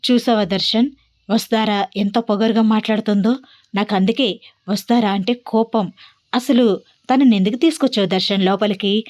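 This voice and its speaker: A woman's voice: medium pitch, fairly even intonation, moderate pace, darkish tone, lightly acted. Woman reading a snappish bed-bound young man. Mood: annoyed. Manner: snappish, short-tempered. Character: irritable injured young man in hospital.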